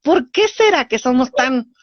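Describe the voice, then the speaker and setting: A woman, a spiritual teacher explaining ideas in a lively way and acting out little dialogues. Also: sits high, a little slow, no room sound. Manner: animated, acts out voices in dialogue. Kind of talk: teaching talk. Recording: dull lo-fi dry sound.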